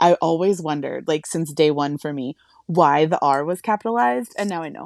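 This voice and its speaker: Speaking fairly quickly in an animated tone, a woman with a very deep, low pitch shows ordinary pitch variation on a very clean recording with a silent background and a dry, close sound with no echo. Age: 30s. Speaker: podcast co-host. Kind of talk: casual interview chat.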